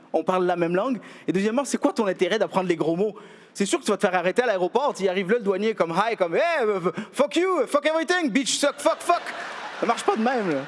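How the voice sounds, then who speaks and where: Amid noticeable background noise, a man talks at a very fast pace in an animated tone, his high voice making very wide pitch swings. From Quebec (immigrant child). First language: not French (speaking French). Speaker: comedian. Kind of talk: stand-up.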